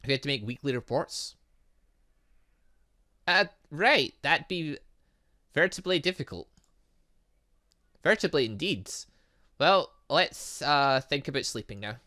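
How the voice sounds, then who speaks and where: A man with a fairly high, bright voice hosts a gaming video. He reads dialogue aloud with lively swings in pitch, drops in casual remarks, and trips over words before fixing them. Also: measured pace, long pauses. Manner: stumbles over words when reading, self-correcting. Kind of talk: casual let's-play, reading game dialogue aloud with asides.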